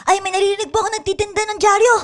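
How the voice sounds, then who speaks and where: A woman's voice: very high-pitched, little pitch movement, rapid-fire. A woman playing a polite, eager, chattering young girl in an improvised radio drama.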